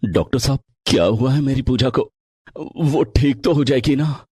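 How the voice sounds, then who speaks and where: A man voicing a caring young husband, husky. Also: medium pitch, normal speed, dry recording, studio quality, close to an everyday voice. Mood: concerned. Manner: gentle, concerned.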